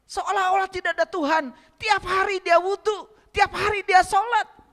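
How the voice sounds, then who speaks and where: A man's voice: very high voice, steady tone, normal speed, sharp tone, big-room sound. A man giving a spiritual lecture to a congregation, often asking them rhetorical questions and speaking to them directly. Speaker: religious lecturer.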